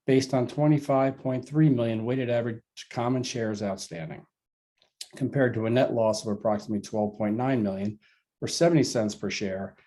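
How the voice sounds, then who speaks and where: A man's voice: fairly low pitch, warm tone. A man reading a scripted financial report on an earnings call as a company finance executive, formal and methodical with figures.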